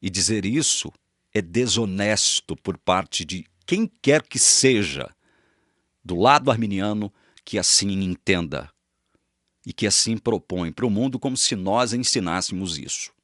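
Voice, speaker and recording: A man's voice: fairly low pitch, expressive, a little slow, fairly bright tone, dry recording, studio quality. A man teaching Reformed doctrine, emphatic and repeating phrases for stress. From Brazil. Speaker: Reformed preacher.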